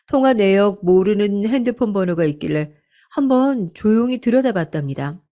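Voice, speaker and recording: A woman's voice: medium pitch, expressive, moderate pace, mellow. Female storyteller for a radio-style true story; earnest, confiding first-person narration.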